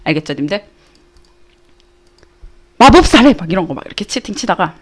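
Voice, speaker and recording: A woman's voice: deep voice, very fast, darkish tone. A young adult woman, a live streamer, telling a story to her chat audience in blunt, slangy banter.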